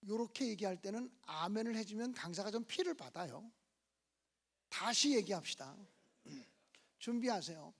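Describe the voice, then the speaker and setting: A woman's voice: animated, unhurried, pauses often, husky. A woman preacher delivering a revival sermon in a church, telling scripture stories dramatically and raising her voice for the big moments. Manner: dramatic, acting out biblical scenes with sudden rises in pitch and loudness. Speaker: guest preacher at a revival meeting.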